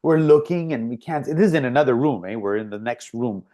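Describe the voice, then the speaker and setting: A man co-hosting a casual podcast over a video call, telling animated, profane stories about a party he worked. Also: mid-range voice, a little fast. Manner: animated storyteller, swears freely. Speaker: podcast co-host.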